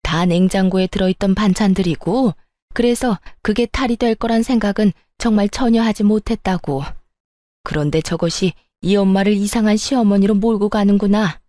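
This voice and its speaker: A woman's voice: mid-range voice, normal speed, mellow, no room sound, close to an everyday voice. A woman voicing a bossy, self-pitying older mother-in-law who scolds and wails theatrically. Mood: wailing. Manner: scolding, sneering, wailing theatrically. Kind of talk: storytelling narration.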